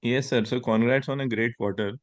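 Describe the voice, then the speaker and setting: A man's voice: mid-range voice, fairly even intonation, fairly quick, no echo. A man with an Indian accent putting questions to company management as an investor on an earnings call. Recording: dull, dry conference line.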